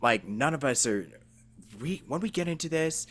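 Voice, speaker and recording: A man's voice: a little high, animated, normal speed, fairly bright tone. A man hosting a casual podcast interview, earnest and rambling in the way he makes his points. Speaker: podcast host, voice actor.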